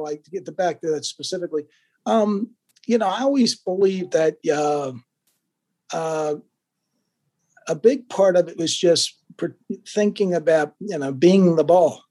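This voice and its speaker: A man's voice: high voice, moderate pace, dark tone. An older man, a former goalkeeper, telling stories in a casual interview, rambling with many restarts and fillers.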